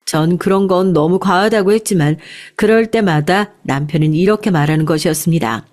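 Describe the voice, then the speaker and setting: Give me a woman narrating a personal story in a calm, confiding tone. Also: fairly low pitch, brisk.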